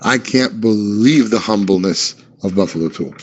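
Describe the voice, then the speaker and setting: A man's voice: lowish voice, moderate pace. A man co-hosting a comedy show, telling mock-serious tall tales with hesitant fillers, on muffled lo-fi audio. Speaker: co-host. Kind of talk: comedic banter.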